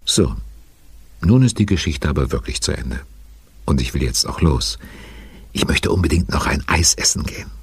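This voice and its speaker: An actor playing a chatty, playful storyteller in a children's audio play, with a raspy, breathy voice. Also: male voice, rumbling low, no room sound, exaggerated voice. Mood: cheerful, eager. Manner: animated, playful, unhurried. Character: chatty male storyteller of a children's witch series.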